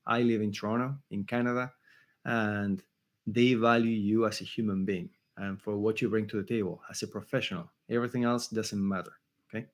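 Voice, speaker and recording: A man's voice: fairly low pitch, steady tone, fairly quick. A man with an Argentine Spanish accent, a career coach giving an online resume workshop, emphatic, repeating his points and checking in with "okay?" and "right?".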